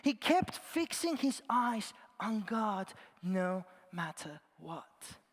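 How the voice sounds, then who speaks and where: A man from Iran, preaching a sermon in an earnest storytelling way, his phrases often trailing off softly at the ends. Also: sits high, very animated, slow pace. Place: large church. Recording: long church reverb.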